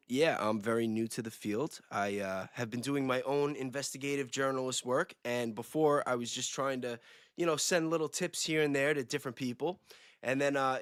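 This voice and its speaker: A man's voice: mid-range voice, fairly bright tone, no room sound, clean studio sound. A man talking casually and informally on a livestream, using slang as he speculates. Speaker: livestream guest, self-described independent investigator.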